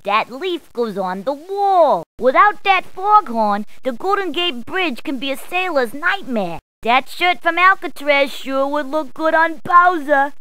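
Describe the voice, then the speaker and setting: A woman's voice: high voice, lively intonation, unhurried, few pauses, sharp tone, dry recording, exaggerated voice, rough recording. A woman voicing a cheerful female police officer in a video game, delivering short punning quips and hints in a chirpy manner. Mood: upbeat. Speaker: in-game helper character.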